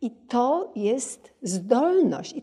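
With a high pitch and a dark, mellow tone, a woman speaks in very wide pitch swings. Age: 70s. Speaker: psychologist and addiction therapist. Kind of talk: lecture. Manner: hesitant, with fillers.

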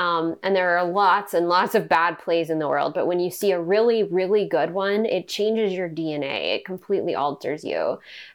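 With a normal speaking voice, a woman of medium pitch talks at a moderate pace with fairly even intonation and hardly any pauses. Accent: American. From US South, Texas. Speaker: screenwriter and showrunner. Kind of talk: casual interview.

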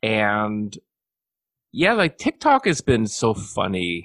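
A man's voice, bright and sharp in tone, dry and close with no echo, against a quiet background. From Northern Virginia, US (born in Korea). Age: 40s. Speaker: entrepreneur and social media creator. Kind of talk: casual interview conversation.

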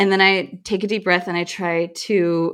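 On a very clean recording with a silent background, a woman with a Californian accent speaks at a medium pitch in a monotone, flat intonation. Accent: Californian American English. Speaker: film reporter and critic. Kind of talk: casual interview conversation.

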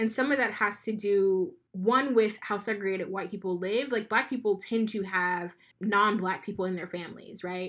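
In an American accent, a normal speaking voice moves at a moderate pace with fairly even intonation, recorded very cleanly against a silent background. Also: woman, medium pitch for a woman. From California. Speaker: romance author and historian. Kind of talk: casual chat.

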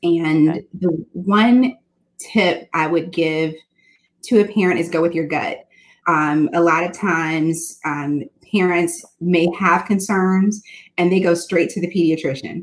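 The speaker talks at a fairly slow pace. Pitch variation is ordinary. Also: woman. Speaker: speech-language pathologist. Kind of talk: casual panel discussion. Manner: talkative.

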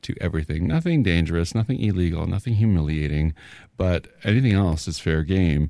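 Lively intonation and a dark, mellow tone come through at a fairly quick pace with a Canadian accent, on a very clean recording with a silent background. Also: man. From rural Ontario, Canada. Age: 50s. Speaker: radio host. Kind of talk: casual radio interview. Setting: radio studio.

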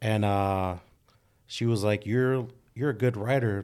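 A man with a Spanish accent, fairly slow and fairly even in intonation, on a very clean recording with a silent background. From California (Fresno), Mexican immigrant family. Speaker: podcast guest, Marine veteran. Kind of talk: casual chat. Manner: relaxed, profanity-heavy storytelling.

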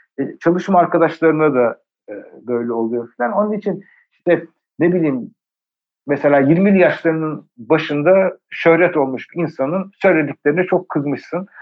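With a fairly high pitch and ordinary pitch variation, a man talks at a moderate pace in an unremarkable speaking voice. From Turkey, Adana. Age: 50s. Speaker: sociologist, writer and journalist. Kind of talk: casual chat.

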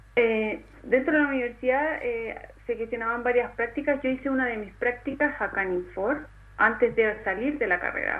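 A high-pitched woman at a moderate pace, ordinary pitch variation, noticeable background noise. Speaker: forestry researcher. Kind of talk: radio interview.

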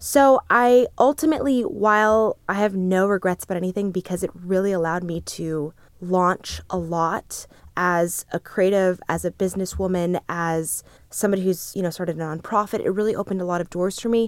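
A woman's plain, everyday voice with an American accent, medium pitch, ordinary pitch variation, and a moderate pace. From US Midwest, Nebraska. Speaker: violinist and composer. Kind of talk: casual interview.

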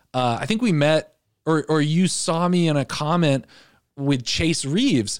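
A man's plain, everyday voice, with ordinary pitch variation and a fairly slow pace. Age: 30s. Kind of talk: casual chat. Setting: video call.

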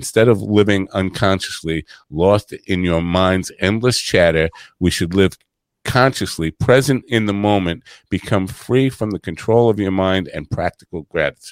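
With a New York accent, a man speaks at a fairly low pitch with ordinary pitch variation, in a dry, close sound with no echo. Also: moderate pace. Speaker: podcast host and musician. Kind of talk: casual chat. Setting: video call.

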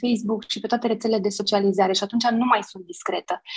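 A woman's voice at a very fast pace. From Romania, Ploiești. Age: 40s. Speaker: content creator and entrepreneur. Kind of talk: podcast interview. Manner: halting, many fillers.

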